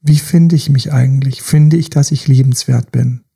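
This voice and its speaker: A man's voice: medium pitch, steady tone, moderate pace, gravelly, mellow, husky. A man hosting a self-help podcast, coaching listeners directly with repeated rhetorical questions. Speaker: podcast host.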